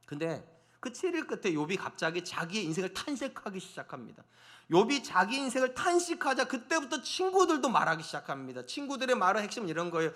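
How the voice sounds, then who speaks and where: A man's voice: high-pitched, quick pace. A middle-aged male pastor preaching a sermon, talking straight to the congregation and acting out the people he quotes. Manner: animated preaching, acts out quoted voices, addresses congregation directly. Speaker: senior pastor.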